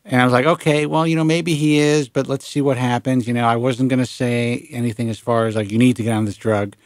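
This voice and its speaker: A man in his late forties hosting a talk show, chatting casually with lively restarts and the odd swear word. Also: medium pitch, quick pace, dry recording. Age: 40s. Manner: animated, swearing, lots of restarts. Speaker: show host. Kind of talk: casual radio show chat.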